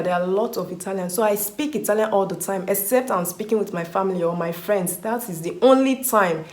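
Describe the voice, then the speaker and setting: A woman's voice: mid-range voice, echoey room. A young woman from Nigeria with a Nigerian accent, answering viewer questions in a chatty vlog, often repeating words for stress. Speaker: vlogger. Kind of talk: casual Q&A vlog.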